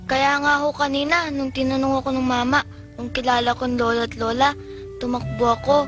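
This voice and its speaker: A woman's voice: high-pitched, little pitch movement, brisk, muffled recording, lightly acted. An actress playing a frightened young girl in a 1980s Filipino action film, with a Filipino accent. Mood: timid. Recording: old film soundtrack with loud music.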